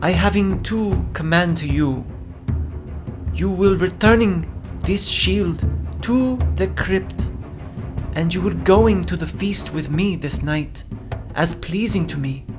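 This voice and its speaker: A man voicing a stately island priestess who speaks in slow, halting broken grammar. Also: sits high, over music, pitched above the performer's own voice. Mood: imperious.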